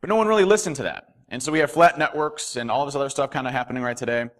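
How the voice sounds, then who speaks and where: A man giving a conference keynote from a podium in a hotel ballroom, animated and quick, with lots of fillers and restarts. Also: mid-range voice. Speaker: keynote speaker.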